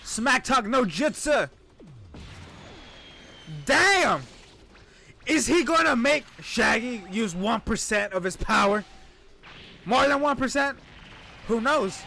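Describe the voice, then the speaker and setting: Very high-pitched, excitable male streamer. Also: slow pace, gravelly, pauses often. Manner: animated, exclamatory, playful, often shouting. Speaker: VTuber streamer reacting to an animation. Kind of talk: excited reaction commentary with casual slang. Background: music and video audio.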